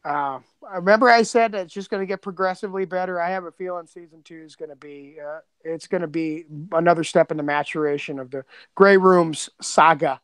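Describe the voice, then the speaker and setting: A man's voice: fairly high pitch, a little fast, a bit bright, smooth, no room sound. A middle-aged man co-hosting a podcast, chatting casually in a rambling, slangy, joking way. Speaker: podcast co-host and co-creator. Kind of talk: casual chat.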